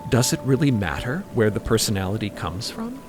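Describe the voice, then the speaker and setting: A man narrating scripted fiction in a musing way, with deliberate, pausing phrases. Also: fairly low pitch, sing-song, over music.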